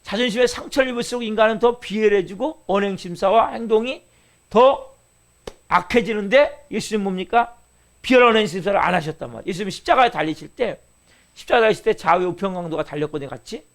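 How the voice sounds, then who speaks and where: A man preaching a church sermon, drawing slow emphasis on key words and throwing rhetorical questions at the congregation. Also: sits high. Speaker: pastor. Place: church service.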